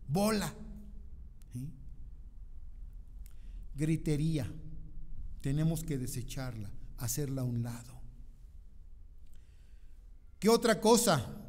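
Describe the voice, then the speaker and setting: A man with a high, bright preaching voice delivers a slow, deliberate sermon. He reads scripture with dramatic swells and keeps tossing quick questions to his listeners. The sound rings with a long church-hall reverb. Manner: rhetorical questions to the congregation, dramatic scripture reading. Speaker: pastor.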